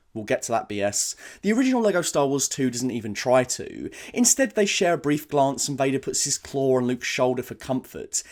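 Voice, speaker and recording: Lively, animated male video essay narrator. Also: mid-range voice.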